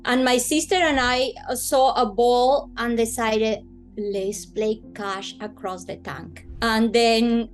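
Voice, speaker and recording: A woman with a Colombian accent, a native Spanish speaker, telling a personal story in an interview with expressive, dramatic emphasis. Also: on the high side, slow, faint music behind. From Bogota, Colombia.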